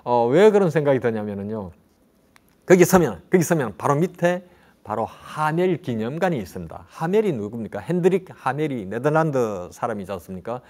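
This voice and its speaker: A man's voice: mid-range voice, big pitch swings, normal speed, a little mellow. A middle-aged man talking casually as a travel guide about local history, rambling with fillers and restarts and asking rhetorical questions. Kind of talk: conversational travel talk on history.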